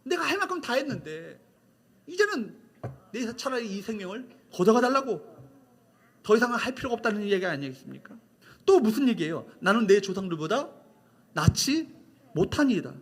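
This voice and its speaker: A man's voice: very high-pitched, fairly bright tone, husky. A male pastor preaching a sermon, emphatic and repetitive, asking the congregation questions.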